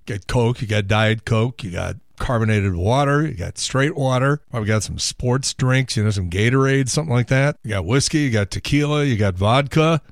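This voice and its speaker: A middle-aged radio and podcast host who sounds hoarse, talking in a wry, sarcastic, rambling comic monologue. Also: male voice, medium pitch, no room sound, clean studio sound. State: hoarse from laryngitis.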